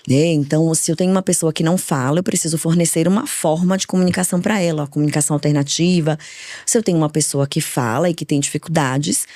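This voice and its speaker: A woman in her forties talks quickly and with energy as a guest on a podcast. She tells her stories in a lively way. The sound is dry and close to the mic. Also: fairly low pitch, dry recording. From Brazil, from Minas Gerais, raised in Bahia. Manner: fast, lively storytelling. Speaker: guest, speech therapist. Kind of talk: podcast interview.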